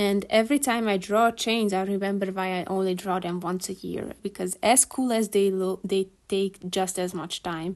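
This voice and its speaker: At a moderate pace, a woman with a non-native accent speaks at a medium pitch with fairly even intonation. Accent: non-native accent, self-noted. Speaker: artist vlogger. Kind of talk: scripted voiceover. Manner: monotone.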